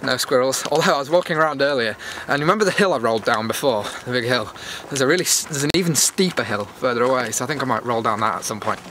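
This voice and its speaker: With a mid-range, slightly bright voice, a British vlogger talks quickly and with few pauses while hosting a rambling walk-and-talk YouTube video. He's outdoors on a cold evening, and background noise from outside is clearly heard.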